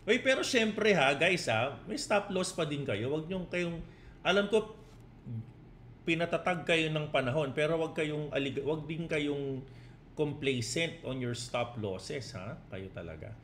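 A man's voice: fairly high pitch, expressive, a little slow, fairly bright tone, slight background noise. A man, a crypto trading coach on a casual live stream who mixes Tagalog and English, reads out chat comments and keeps tagging his points with 'no?' and 'di ba?'.

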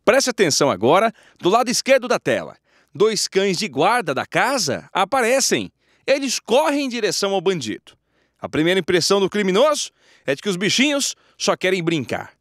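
A man's voice: high-pitched, fairly bright tone, no echo, studio quality. A man narrating news footage in a playful scripted way, with jokey asides to viewers.

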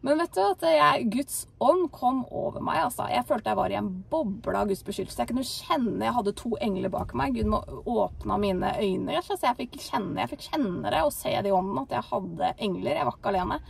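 A woman co-hosts a faith talk and tells her testimony with lots of fillers and energy. Her voice is fairly high and gravelly, with a husky edge, and it is picked up from a distance. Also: hardly any pauses. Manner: animated storytelling, many fillers. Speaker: co-host. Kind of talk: telling a personal faith testimony.

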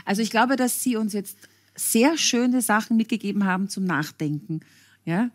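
A woman's voice: medium pitch, normal speed. A young woman hosting a TV talk show in a chatty, encouraging way. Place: TV studio.

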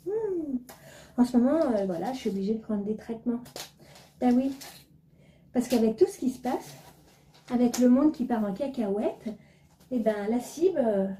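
Comic sketch: woman voicing a frightened wealthy lady, boastful and anxious, mellow and higher-pitched. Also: animated, moderate pace, long pauses, echoey room, slight background noise, close to an everyday voice. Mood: fretful. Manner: frets and complains, boasts about prices. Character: anxious, fearful rich woman back from abroad.

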